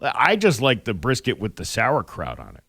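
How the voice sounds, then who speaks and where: A man's voice: fairly low pitch, huge pitch swings, moderate pace, sharp tone, husky, dry recording. A man co-hosting a morning radio show with casual banter, in a studio.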